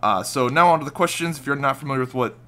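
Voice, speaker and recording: A young man with a slightly raspy, just-woken-up voice, rambling casually and swearing freely as he talks over gameplay footage. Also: medium pitch, fast talker, bright, forceful tone. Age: young adult. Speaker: gaming YouTuber.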